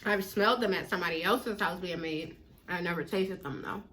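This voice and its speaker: A woman's voice: fairly low pitch, a bit bright, slight background noise. Casting: American woman, mukbang host, casual and chatty, talking between and through bites of food. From northern United States. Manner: chewing while talking, with pauses to eat. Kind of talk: casual chat to viewers while eating.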